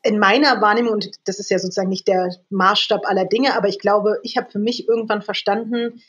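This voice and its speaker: Talkative woman, husky voice. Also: mid-range voice, fairly even intonation, fast, highs cut off. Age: 30s. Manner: talkative, laughs often, speaks at length. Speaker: guest, presenter and author. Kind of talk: casual interview.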